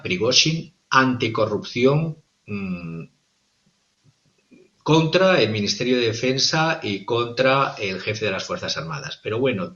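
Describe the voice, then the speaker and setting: A male political analyst giving formal, methodical commentary, often pausing on "eh" between points. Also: mid-range voice, a bit bright, lo-fi sound. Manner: formal and methodical, with frequent hesitations.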